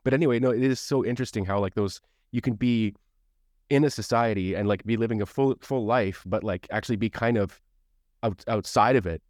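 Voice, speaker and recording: A man's voice: fairly low pitch, brisk, darkish tone, dry recording, clean studio sound. A man from Canada hosting a podcast interview, chatting in a rambling way with many restarts. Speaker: podcast host. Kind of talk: casual interview conversation.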